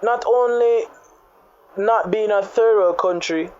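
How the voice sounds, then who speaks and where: A woman's voice: medium pitch, takes it slowly, a little mellow. A woman with a Jamaican accent talking casually and frankly in Jamaican English, dropping in patois phrases. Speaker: podcast host. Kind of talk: casual conversation. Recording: dull lo-fi sound with background noise.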